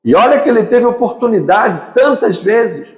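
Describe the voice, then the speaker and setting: A man's voice: high voice, expressive, moderate pace, a little mellow. A man with a Brazilian accent preaching a sermon as pastor, driving his points home with emphatic repeated phrases and lists. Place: church sanctuary. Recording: echoey hall with long reverb.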